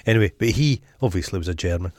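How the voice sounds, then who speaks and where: A man's voice: sits low, lively intonation, racing, a little mellow, dry recording. A Scottish man hosting a podcast, chatting casually in a blunt, opinionated way and swearing freely. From Scotland. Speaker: podcast host. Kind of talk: casual chat.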